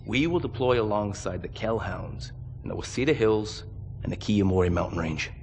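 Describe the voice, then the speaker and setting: An actor playing a grave, commanding mercenary officer in a video game cutscene, speaking in a measured, authoritative way. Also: male voice, fairly low pitch, music in the background, natural voice. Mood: stern. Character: grave, commanding male mercenary officer briefing his unit. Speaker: military commander. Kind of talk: dramatic game cutscene acting.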